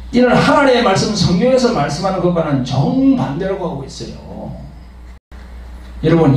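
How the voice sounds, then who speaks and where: A man's voice: high-pitched, a little mellow, recorded from a distance. A man preaching a sermon as pastor, emphatic and full of rhetorical questions, addressing the congregation and online subscribers. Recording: echoey hall, voice from afar.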